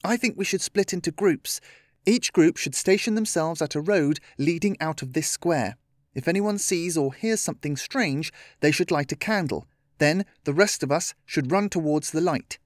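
A man's voice: fairly high pitch, moderate pace, dry recording, voice pushed up, close to an everyday voice. An earnest young girl played by a man takes charge of her friends in a storybook tale. The voice is lifted and dry, with no room sound. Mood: earnest, decisive.

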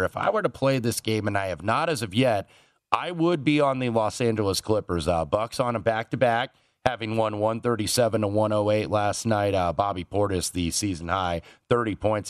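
A man giving conversational sports betting analysis in a measured way, with asides. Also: on the low side, no echo, clean studio sound.

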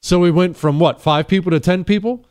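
A man hosting a call-in radio talk show, sarcastic and combative, mocking in a high voice then dropping low. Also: fairly quick, a little mellow, no echo.

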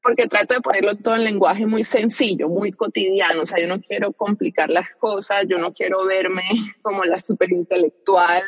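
A woman's voice: mid-range voice, steady tone, moderate pace, husky, dry recording, in a large hall, dull audio. Colombian coastal woman, dry close voice. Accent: Colombian Caribbean coast. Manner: reflective, frequent fillers and restarts. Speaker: guest. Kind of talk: casual interview conversation.

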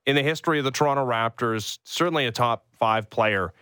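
Sports radio guy in the studio, bright edgy voice, dry close mic, talks with lots of emphasis. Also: medium pitch, brisk, smooth, no room sound. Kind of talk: casual sports talk. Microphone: studio microphone.

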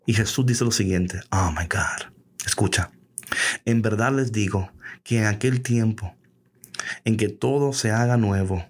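A man hosting a casual devotional podcast, lively and playful, dropping English phrases into his talk. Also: lowish voice, normal speed. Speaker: podcast host.

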